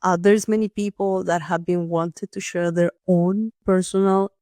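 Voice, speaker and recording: A woman's voice: fairly low pitch, steady tone, unhurried, warm tone, dry recording. Earnest woman host, nonnative phrasing. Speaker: podcast host, here the guest. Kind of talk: reflective personal storytelling.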